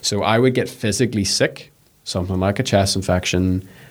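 In a very clean recording with a silent background, a man with a Northern Irish accent speaks at a very deep, low pitch. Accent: Northern Irish (Belfast). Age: 20s. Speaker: podcast host appearing as guest. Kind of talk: casual interview. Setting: his own podcast studio.

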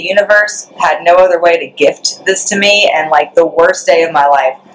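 A woman with an American accent, over noticeable background noise. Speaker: grocery store manager. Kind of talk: casual interview chat. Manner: humorous, joking.

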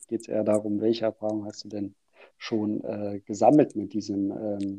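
The man's fairly low voice has a dark, mellow tone and a dry, close sound with no echo. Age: 40s. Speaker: podcast guest. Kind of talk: casual chat. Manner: hesitant, many fillers.

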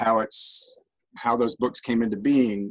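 A man with an East Texas accent is heard in a dry, close recording with no echo. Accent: East Texas Southern US. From US South, East Texas. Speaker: near-death experiencer, Navy veteran. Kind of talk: interview testimony.

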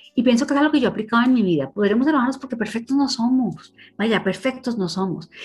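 Her intonation lively, a woman rushes along at a very fast pace with a fairly high pitch. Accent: Colombian. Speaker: personal development speaker. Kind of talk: casual radio interview.

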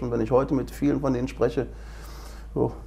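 A man is talking here. His delivery moves fairly quickly. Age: 60s. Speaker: football club official. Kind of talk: casual chat.

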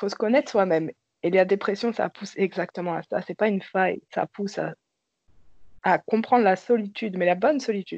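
Over a quiet background, a woman talks at a fairly quick pace in a medium pitch with ordinary pitch variation, the sound dry and close with no echo. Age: 20s. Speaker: reiki practitioner. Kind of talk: interview. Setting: remote call. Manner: halting. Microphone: poor sound, recorded remotely.

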